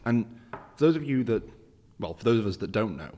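A man's voice: fairly low pitch, expressive, fairly quick, mellow, long reverb tail. A man hosting a casual interview podcast, chatty and rambling, with lots of restarts in his questions. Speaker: podcast host.

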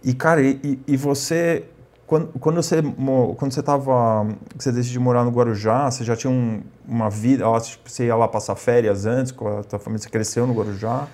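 A man with a São Paulo Brazilian Portuguese accent, chatting in a relaxed way full of slangy fillers. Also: mid-range voice, brisk. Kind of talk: casual conversation.

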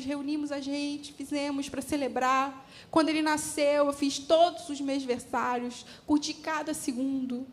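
A woman in her thirties speaks in a high, bright register. She tells a church testimony as a story, acting out her own past words with open emotion. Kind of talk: sermon testimony.

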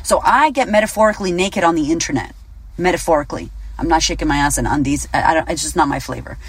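A woman's voice: low-pitched, fast, breathy edge, dry recording. Blunt, swearing woman in her thirties. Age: 30s. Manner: blunt, swears freely, animated. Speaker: business coach and podcast host. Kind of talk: casual motivational monologue.

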